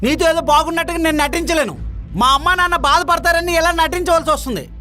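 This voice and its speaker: A man's voice: fairly high pitch, expressive, fairly quick, faint music behind, lightly acted. An actor playing a short-tempered young husband in a short film, chatting at dinner, then snapping at his wife. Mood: angry. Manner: casual at the table, then shouting in irritation.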